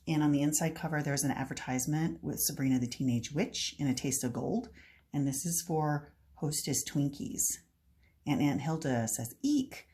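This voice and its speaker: Woman, low voice, relaxed comic read-aloud with chuckles. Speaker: comic book reader. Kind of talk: casual reading aloud of a comic book.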